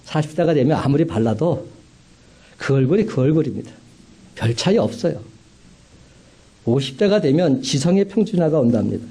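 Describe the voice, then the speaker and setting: Husky-voiced pastor preaching with lively swings. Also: male voice, a little high. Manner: emphatic preaching with rising climaxes and slow stressed phrases. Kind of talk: sermon.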